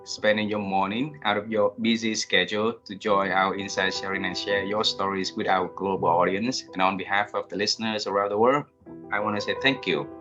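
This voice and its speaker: A man hosting an interview, effusive and courteous, with halting, repeated phrasing. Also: fairly low pitch, level tone, pushed and bright, lo-fi sound, soft background music. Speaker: podcast host.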